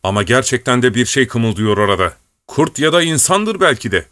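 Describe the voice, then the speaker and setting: A man's voice: medium pitch, very animated, normal speed, pushed and bright, no echo, studio quality, voice pushed up. Man voicing a fretful old-world coachman. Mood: uneasy. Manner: anxious, pleading, raised voice. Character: worried male peasant coachman, superstitious and stubborn.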